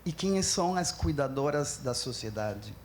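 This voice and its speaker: A woman's voice: a bass voice, lively intonation, unhurried, a little mellow, a little hiss or hum. A woman with a Mexican accent speaking as a panelist, earnest and emphatic, with frequent fillers and restarts. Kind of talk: panel talk.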